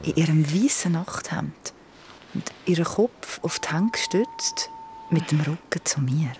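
A Swiss German woman recounts a spooky story, lively and dramatic, often whispering. Her voice sits rather low. Music plays behind her. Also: unhurried, slight background noise. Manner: lively, dramatic, drops to a whisper at tense moments.

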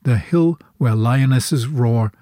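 A man's voice: mid-range voice, slow pace, mellow, no room sound. A man hosting a film podcast, presenting from a script. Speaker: podcast host.

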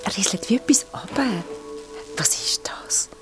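An actress playing a young wife who speaks in a calm, soothing whisper in the dark, in a whispered role-play for a radio drama. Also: female voice, measured pace, natural voice. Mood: hushed. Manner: hushed, soothing. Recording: radio drama over loud music.

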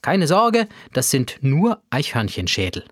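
A man's voice: mid-range voice, wildly swooping pitch, measured pace, no room sound, studio quality. A man voicing a nervous female schoolteacher who asks anxious questions. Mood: reassuring.

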